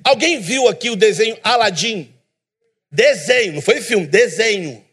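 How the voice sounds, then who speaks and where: A man preaching a sermon in a church, emphatic and animated, with self-deprecating humor. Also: high-pitched, moderate pace, slightly rough.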